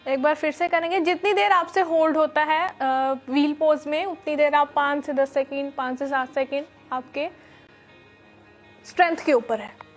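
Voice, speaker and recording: A young woman with a high voice leads a yoga lesson in a studio. She gives calm, step-by-step instructions and often pauses on fillers. Faint music plays behind her lapel-mic sound. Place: studio with red floor and dark curtains.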